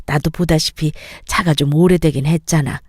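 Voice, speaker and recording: A woman's voice: sits low, fairly even intonation, normal speed, breathy edge, dry recording, studio quality. A woman voicing a greedy older mother-in-law who nags and lectures condescendingly in a dramatized story reading. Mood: coaxing.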